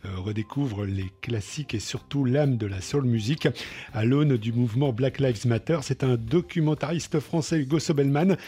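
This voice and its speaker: Mellow-voiced male radio culture columnist. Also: medium pitch, normal speed, breathy edge. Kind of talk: scripted radio review.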